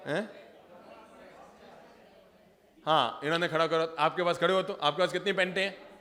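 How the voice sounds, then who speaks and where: A man's voice: fairly high pitch, steady tone, normal speed, bright, forceful tone. A Jain monk from Rajasthan preaching, joking with and questioning his audience. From Rajasthan, India. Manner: humorous, engages audience directly. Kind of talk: sermon. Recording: long hall reverb.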